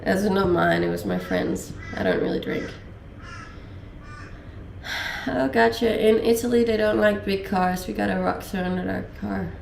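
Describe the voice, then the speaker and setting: A young Danish woman chats loosely with her livestream audience, her accent drifting between Danish and Australian. She talks slowly with a gravelly edge, full of "um"s and easy laughs, sounding slightly sick. The room gives her voice a noticeable echo over faint background hum. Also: medium pitch. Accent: Danish-Australian mix. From Denmark. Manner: relaxed, laughing, many fillers. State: a little sick. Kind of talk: casual chat reading viewer questions.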